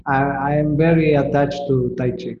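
A man's voice: mid-range voice, fairly even intonation. Man on a muffled echoey phone line. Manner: halting, repeats words while searching for them. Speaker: caller speaking with a Tai Chi teacher. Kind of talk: casual call conversation. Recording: muffled echoey call line with faint noise.

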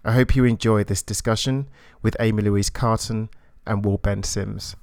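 A man hosting a podcast, reading a scripted introduction and asking interview questions in a measured, polite way. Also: fairly low pitch, steady tone, vocal fry, a little mellow, no echo, studio quality. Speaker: podcast host.

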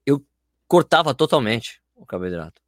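A man's voice: medium pitch, very animated, normal speed, dry recording, studio quality. A man chatting casually and animatedly, talking in loose run-on phrases full of fillers. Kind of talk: casual chat.

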